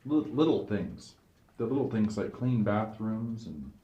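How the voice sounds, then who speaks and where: A man's voice: on the low side, sing-song, a little slow, dark tone, lo-fi sound. A man in a casual, informal home chat, acting as the visiting interviewer. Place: indoors in a home. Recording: echoey room with clear background noise.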